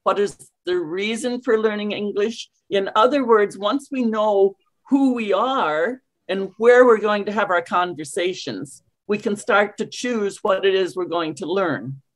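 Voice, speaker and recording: An older Canadian woman coaching English on a video call, speaking with crisply enunciated words and an emphatic, storytelling manner. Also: medium pitch, a little slow. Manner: warm, emphatic, storytelling, with clearly articulated words. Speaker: ESL coach.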